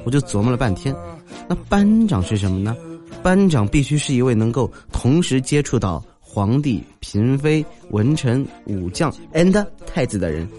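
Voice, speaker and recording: A young man tells funny stories in an animated monologue, and his voice rises and falls in a very lively way. He keeps a middle pitch and often slides into character voices. Faint music plays under him. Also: normal speed. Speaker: comedic storyteller. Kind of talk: comic monologue.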